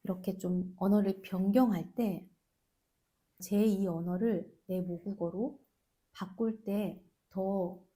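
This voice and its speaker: Woman, language-teacher podcast host, low-ish mellow voice, gentle explainer. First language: Korean. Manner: soft, thoughtful, asks listeners questions.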